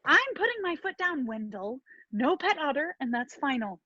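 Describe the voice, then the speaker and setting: Woman acting a fed-up mom, high voice, deadpan, dismissive, dry dull recording, sketch comedy. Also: normal speed, no echo, full character voice. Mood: exasperated. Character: exasperated, blunt, dismissive mom of two. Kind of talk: sketch comedy staged reading. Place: remote virtual reading.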